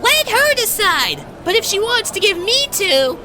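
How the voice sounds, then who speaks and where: A man's voice: very high voice, big pitch swings, measured pace, bright, forceful tone, faint music behind, voice pushed up, heavily acted. A man voicing an eager, pleading young pony schoolchild in a storybook reading.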